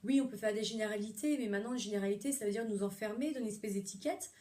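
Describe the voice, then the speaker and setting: Chatty therapist woman, mellow voice. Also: mid-range voice, rapid-fire. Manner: chatty, rambling, many fillers and restarts. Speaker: psychotherapist. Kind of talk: casual monologue.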